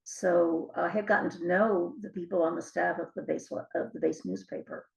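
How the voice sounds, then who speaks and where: Older woman with a creaky, gravelly voice. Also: on the low side, fairly even intonation, moderate pace, poor audio. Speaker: author being interviewed. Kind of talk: conversational interview recollection.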